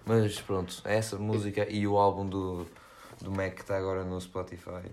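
A young man with a European Portuguese accent and a low, deep voice talks in a loose, slangy way on a podcast. He rambles through his stories, packed with fillers and false starts. A faint hiss sits under the recording. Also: monotone, normal speed, a little mellow. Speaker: podcast co-host. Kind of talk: casual chat.

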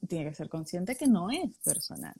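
Low-voiced woman explaining in casual talk. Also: huge pitch swings, moderate pace, vocal fry, warm tone, slightly rough. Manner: explanatory, builds points with examples. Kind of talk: casual conversation on emotions.

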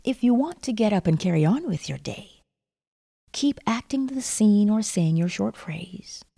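A woman narrates a guided sleep meditation like a sleep story, soft and breathy, often near a whisper, in measured instructions with lingering pauses. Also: mid-range voice, expressive. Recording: long reverberant echo.

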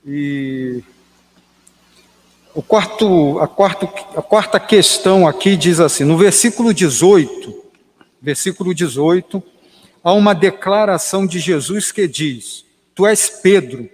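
A Brazilian man moderating a Bible study, calmly reading out the questions. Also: sits high, long reverb tail. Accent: Brazilian Portuguese. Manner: unhurried, reads out questions.

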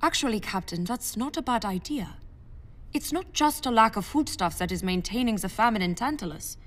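A woman playing a thoughtful, practical fleet specialist explaining in a science fiction audio drama, measured in manner. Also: a little high, expressive, natural voice. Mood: persuasive.

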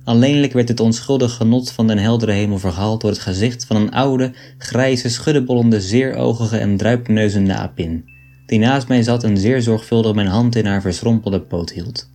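A man reading aloud an old book in a measured, deliberate way. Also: lowish voice, dark tone. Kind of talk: scripted narration of an 18th-century text.

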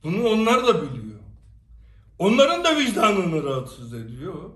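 A man's voice: sits high, wildly swooping pitch, unhurried, distant mic. A man giving an emphatic direct-to-camera monologue to his followers, telling stories and firing off rhetorical questions. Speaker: commentator addressing followers. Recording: echoey room, away from the mic.

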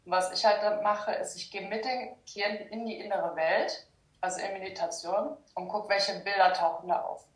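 A young adult woman from Germany explains her work in a relaxed interview. She talks hesitantly, with many fillers and restarts. She is heard from a distance, in an echoey room. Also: medium pitch, normal speed. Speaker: guest, shadow work practitioner. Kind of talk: casual interview talk. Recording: roomy, distant sound.

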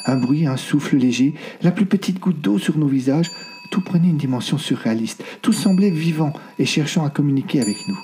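A male audiobook narrator with a dark, mellow voice. His reading is lively and dramatic, with his pitch swinging widely from phrase to phrase. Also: brisk, a little hiss or hum. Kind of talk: scripted narration.

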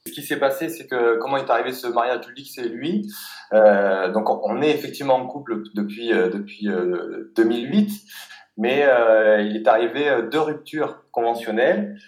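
A man with a Provençal accent, a guest designer talking casually in an interview, halting with many fillers and restarts. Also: medium pitch. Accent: Provençal French. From Aix-Marseille area, France. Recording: echoey room.

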